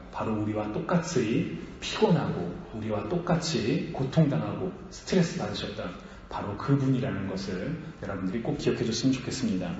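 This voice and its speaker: Male pastor, sermon, lively rising and falling delivery, questions to the congregation, long hall reverb, dull muffled sound. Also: mid-range voice. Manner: animated, asks the congregation questions and acts out quotes.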